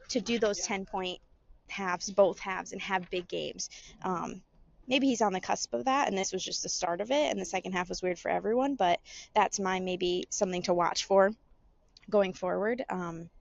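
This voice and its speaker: Woman cohost with a gravelly fry voice, easygoing chat, dull lo-fi sound. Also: medium pitch, normal speed, no echo. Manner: conversational, with filler-laden asides. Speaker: podcast co-host. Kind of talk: casual sports recap chat. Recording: dull lo-fi audio.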